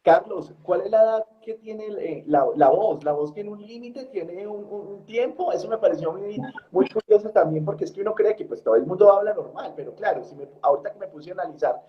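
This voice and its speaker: A man's voice: high-pitched, lively intonation, fairly quick, muffled recording. A male presenter asking casual, musing questions in an interview.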